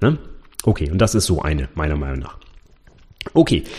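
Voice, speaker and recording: Recorded very cleanly against a silent background, a man speaks in a dark, mellow, somewhat breathy tone. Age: 30s. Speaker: podcast host, IT trainer. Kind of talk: solo podcast monologue answering listener questions. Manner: casual, conversational with fillers.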